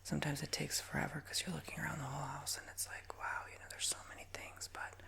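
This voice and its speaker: A man in his twenties with a nasal, raspy voice, giving a soft, rambling ASMR whisper with many fillers. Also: a little high, completely flat delivery, quick pace. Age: 20s. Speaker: ASMR creator.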